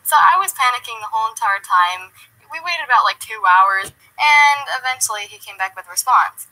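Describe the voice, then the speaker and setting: A woman tells a personal story, often dropping her voice soft and low in volume. Her voice sits a little high and sounds bright and clear. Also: expressive, brisk, poor audio.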